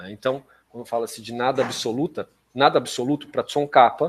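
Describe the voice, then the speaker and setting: The recording is very clean with a silent background as a man speaks at a fairly quick pace in a medium pitch. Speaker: professor. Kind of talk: lecture. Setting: conference talk with audience. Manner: conversational, frequent fillers.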